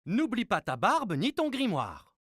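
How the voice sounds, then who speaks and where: A man playing a calm, kindly father in a children's cartoon, speaking in a reassuring, good-natured way. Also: high voice, unhurried, a little hiss or hum, heavily acted. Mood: playful. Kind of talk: animated children's cartoon dialogue.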